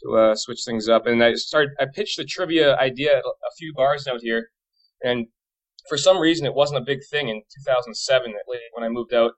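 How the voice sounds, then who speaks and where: A man's voice: medium pitch, normal speed, poor audio. A man in his thirties from Boston chatting informally as an interview guest, explaining his work in a casual way. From Boston area, United States. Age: 30s. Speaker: interview guest, pub trivia company owner.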